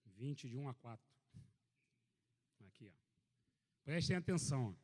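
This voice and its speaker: A man from Brazil preaching a sermon to a church gathering, reading scripture aloud and telling a funny personal story in an animated, joking way. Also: medium pitch, a little slow, long reverb tail. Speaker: pastor. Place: church meeting hall.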